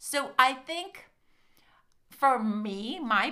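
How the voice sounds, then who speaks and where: A high-pitched woman's voice with a bright, sharp tone and lively intonation. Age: 50s. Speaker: host's wife. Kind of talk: casual chat.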